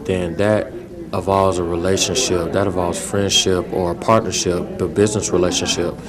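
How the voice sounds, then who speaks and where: A man speaking about his club in an interview, earnest and halting at times with repeated words. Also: low-pitched, level tone, crowd noise. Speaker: club representative. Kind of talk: interview soundbite.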